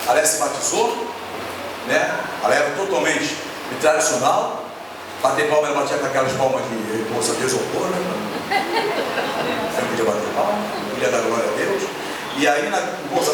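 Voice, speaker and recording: A middle-aged Brazilian preacher with a fairly high voice, telling stories with lively acted-out dialogue. He is heard from a distance, and a long echo fills the church hall. Steady background noise sits under his voice. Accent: Brazilian Portuguese. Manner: animated storytelling, acts out dialogue. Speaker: pastor. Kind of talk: sermon. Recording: echoey church hall, distant mic, noisy.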